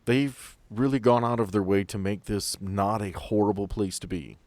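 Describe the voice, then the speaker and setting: A man's voice: fairly low pitch, moderate pace, darkish tone, no room sound. A man narrating a tabletop role-playing game as game master, describing rooms at an easy pace.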